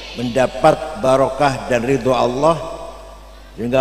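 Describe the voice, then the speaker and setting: A man is speaking. The room echo is audible. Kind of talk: sermon. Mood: warm, joking at times. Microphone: handheld.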